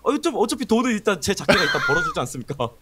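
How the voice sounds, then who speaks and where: High-voiced man joking on voice chat. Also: huge pitch swings, rapid-fire, background noise. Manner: joking, mock-serious, laughs. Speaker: guest. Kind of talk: casual call-in chat.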